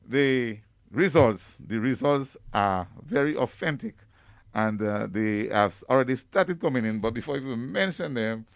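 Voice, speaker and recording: A man hosts a live political radio program, speaking at a middle pitch. His delivery is formal and announcer-like, with small restarts. The studio sound is dry and close. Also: creaky, dry recording. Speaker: radio talk show host. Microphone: studio microphone.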